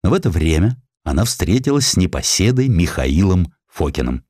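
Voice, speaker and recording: Deep-voiced man narrating history with theatrical flair. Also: no echo, clean studio sound. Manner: expressive, theatrical, with dramatic pauses. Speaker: audiobook narrator. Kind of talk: dramatic literary narration of a historical sketch. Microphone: close studio microphone.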